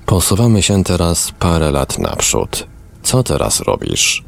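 A man reading the part of a hypnotist who asks calm, measured questions. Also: low-pitched, gravelly, exaggerated voice. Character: calm male hypnotist asking steady questions. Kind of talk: reading a hypnosis session transcript aloud.

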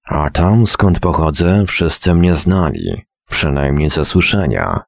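A drunken, bloated man rambles on about his lost greatness, his words slurred and mumbled, voiced by a man reading a story. The voice is very deep and gravelly, and the pace is slow. The recording is close and dry. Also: expressive, no echo, heavily acted. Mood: drunken rambling. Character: drunken bloated man, a rambling self-proclaimed former scientist. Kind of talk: audiobook character reading.

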